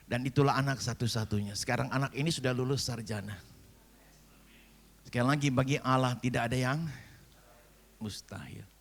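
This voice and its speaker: A man's voice: medium pitch, moderate pace, vocal fry, long pauses. A man of sixty, a pastor preaching a sermon and telling a family story with acted-out dialogue and rising emphasis. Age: 60s.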